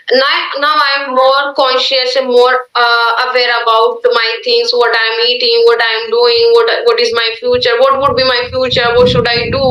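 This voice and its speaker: A woman's voice: on the high side, bright, forceful tone, reverberant, highs cut off. A woman with an Indian English accent talking earnestly on a video call, often restarting her sentences. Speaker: English learner on a practice call. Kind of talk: casual conversation practice.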